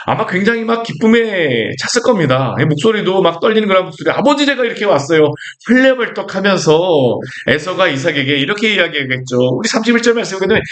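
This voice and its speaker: A male pastor preaches a sermon with a somewhat high voice. He talks in a conversational way, keeps asking his listeners rhetorical questions, and acts out the lines he quotes from scripture. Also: expressive, quick pace, few pauses, a bit bright.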